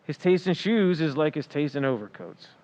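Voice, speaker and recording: An actor playing an anguished, self-sacrificing middle-aged father, earnest and halting, in 1940s radio drama style. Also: on the high side, animated, darkish tone, lo-fi sound, natural voice. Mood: pained, confessing.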